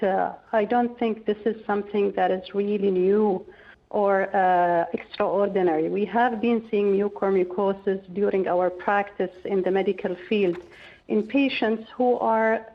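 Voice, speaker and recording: A woman gives measured, reassuring medical explanations as an expert guest in a telephone interview. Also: mid-range voice. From Oman. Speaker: infectious disease consultant, interviewed guest. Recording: dull, band-limited telephone line.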